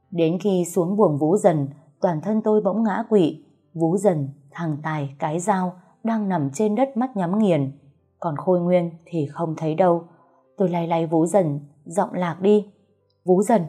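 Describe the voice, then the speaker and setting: A woman telling a first-person story with slow, emotional narration. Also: fairly low pitch, mellow, slightly rough. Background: faint music.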